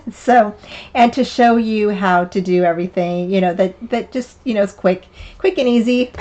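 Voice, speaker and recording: An older woman, hosting a card-making tutorial in a casual, rambling way with many fillers. Her voice is a little raspy and hoarse from a lingering cough. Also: medium pitch, darkish tone. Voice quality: slightly raspy. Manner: chatty, meandering, with many fillers and restarts. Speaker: craft channel host. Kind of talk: casual craft tutorial narration.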